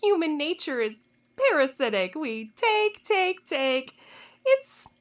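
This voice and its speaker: A woman's voice: high-pitched, sing-song, takes it slowly, full character voice. A woman playing a sly, smug informant in an audio drama, taunting her interrogators with a teasing, condescending drawl. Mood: cool, philosophical.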